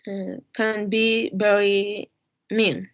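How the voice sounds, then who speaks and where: A woman student reads out answers slowly and hesitantly, pausing with "uh" between words. Her voice sits at a mid pitch. The audio is dry and somewhat dull, like lo-fi call audio. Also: level tone, no room sound. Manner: hesitant, fills pauses with "uh". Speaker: English student. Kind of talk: answering lesson exercises.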